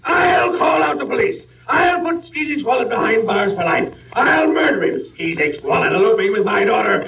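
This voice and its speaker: An actor playing a hot-tempered, forceful father blustering irately in an old radio comedy. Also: very high voice, sing-song, normal speed, gravelly, full character voice. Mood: outraged shouting. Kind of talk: 1940s radio comedy acting. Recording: distant old radio voice, faint noise.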